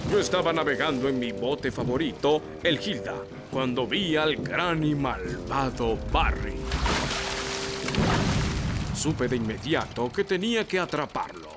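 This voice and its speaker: A man voicing a bossy, theatrical elf fishing captain in a Latin American Spanish cartoon dub. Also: medium pitch.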